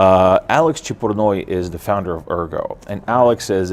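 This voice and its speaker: Speaking at a moderate pace, a man with a Russian accent has a very deep, low pitch. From Ukraine, then USA from middle school. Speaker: blockchain company founder. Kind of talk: interview. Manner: hesitant, many fillers.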